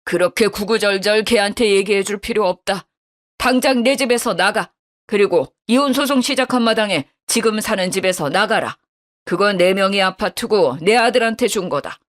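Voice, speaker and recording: A woman's voice: medium pitch, normal speed, close to an everyday voice. A woman voicing a stern older father-in-law who gives curt orders, in a storytelling radio drama. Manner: stern, commanding.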